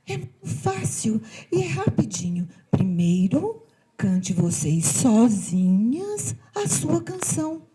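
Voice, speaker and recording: A woman's voice: on the high side, sing-song, slow pace, slightly rough, heavily acted. A woman doing a meek, pleading cicada. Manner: gentle, pleading, soft-spoken. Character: meek, sweet female cicada singer, pleading.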